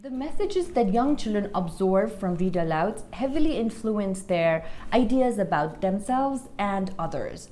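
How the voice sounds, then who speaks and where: Lively woman narrating a scripted message. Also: mid-range voice, unhurried, hardly any pauses. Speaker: presenter for a read-aloud initiative.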